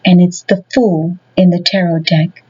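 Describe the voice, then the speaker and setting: A woman's voice: on the low side, flat delivery, a little slow, darkish tone, husky, muffled recording. A woman giving a casual tarot reading to her viewers. She talks in a rambling way and fills her sentences with many "you know"s. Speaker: tarot reader.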